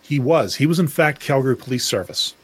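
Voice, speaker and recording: A man's voice: mid-range voice, expressive, fairly quick, husky, no echo. A middle-aged man co-hosting a podcast, talking in a rambling, reflective way with many restarts. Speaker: podcast co-host. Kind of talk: casual discussion.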